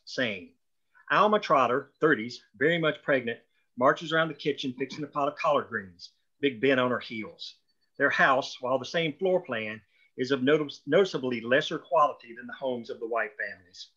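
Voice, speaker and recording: A man reads screenplay stage directions. His mid-range voice is bright and forceful, though the recording is lo-fi and a bit dull. The delivery is scripted narration. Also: mid-range voice, normal speed, husky. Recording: dull lo-fi audio.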